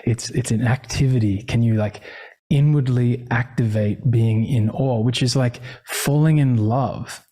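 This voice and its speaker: A man with a dark, mellow voice in a middle register coaches in a conversational way. He is earnest and emphatic, circling back on phrases to give them weight. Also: mid-range voice, measured pace. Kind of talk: conversational teaching.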